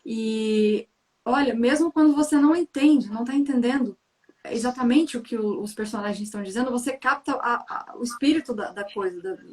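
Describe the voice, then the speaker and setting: A woman's voice: on the high side, brisk. A Brazilian woman hosting a casual chat, telling stories animatedly. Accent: Brazilian Portuguese. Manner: animated storyteller, frequent tag questions. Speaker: host.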